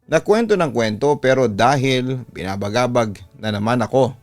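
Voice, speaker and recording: Man, radio storytelling host, medium pitch, dramatic first-person narration, background music. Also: animated, normal speed. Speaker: radio storytelling host reading a listener's letter.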